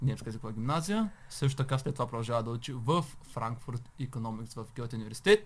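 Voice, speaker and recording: A man speaks at a medium pitch, somewhat breathy. His pace is fairly quick, with hardly any pauses. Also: ordinary pitch variation. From Bulgarian provinces. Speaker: podcast host. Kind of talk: casual interview. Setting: improvised studio.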